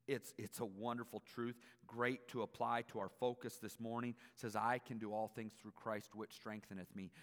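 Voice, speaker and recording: A man preaching a church sermon as a guest, with an emphatic delivery. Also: fairly low pitch. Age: 40s. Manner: emphatic, swinging from quiet asides to loud exclamations. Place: church auditorium. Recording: long echo of a large hall.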